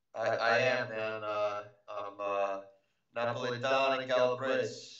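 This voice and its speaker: A man's medium-pitched voice in a New Jersey accent, monotone and flat, at a fairly slow pace with audible room echo. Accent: New Jersey American. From New Jersey, US. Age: 20s. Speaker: MMA fighter. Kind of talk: interview. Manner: casual.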